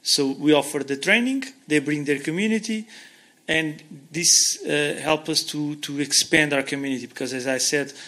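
A man's voice: on the high side, moderate pace, bright, forceful tone. Brief: thirties Portuguese-accented man, conference Q&A, handheld mic, earnest, gestures while explaining. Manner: earnest, explains with hand gestures, frequent restarts. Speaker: invited speaker answering audience questions. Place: conference hall stage, seated in armchair.

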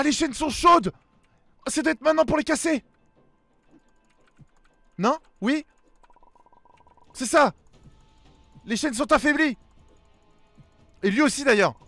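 A young man giving excited let's play commentary, exclaiming and talking to himself as he reacts. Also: very high-pitched, gravelly, no room sound. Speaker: gaming video host.

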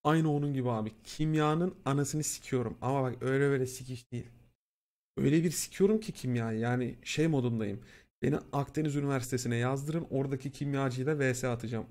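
A young man casually telling a school story, animated and profane, acting out what people said. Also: medium pitch. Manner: animated, profane, acts out quotes. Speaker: streamer.

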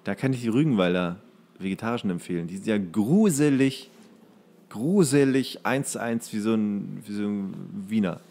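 A man's voice: fairly low pitch, lively intonation, normal speed, dark tone. A man, co-hosting a podcast in casual banter with a friend. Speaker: podcast co-host.

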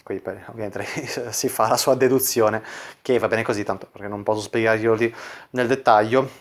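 A man's voice: fairly low pitch, fairly even intonation, fairly quick. Casual man coaching on dating chats. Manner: casual, full of "quindi" fillers. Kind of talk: explaining chat screenshots to viewers.

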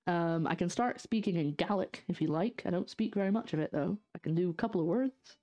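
While cooking in her kitchen, a young adult woman from northeast Scotland chats to her stream in a brisk, mellow, fairly low voice. Her light Scottish accent is partly English-sounding, a brace gives her a slight lisp, and she's chatty and jokey with sarcastic asides to chat.

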